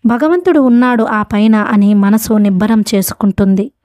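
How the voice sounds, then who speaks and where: A woman narrating a novel in a steady, measured storytelling voice. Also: medium pitch, no room sound.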